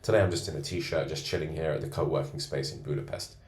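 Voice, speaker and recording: A man coaching men on self-improvement, rating himself out loud in a boastful, self-assured monologue from a co-working space. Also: extremely low pitch, steady tone, quick pace. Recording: roomy echo.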